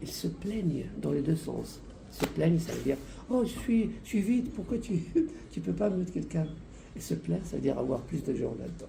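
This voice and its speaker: Recorded with audible room echo, a man speaks at a moderate pace. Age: 70s. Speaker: hotel owner. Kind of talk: interview. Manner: animated.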